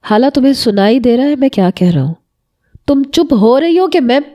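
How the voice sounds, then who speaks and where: A woman's voice: high-pitched, sing-song, voice pushed up. A woman voicing a young newly married husband in a romantic audio story, possessive but tender, moving between curt scolding and coaxing affection. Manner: curt when angry, softening to coaxing and affectionate.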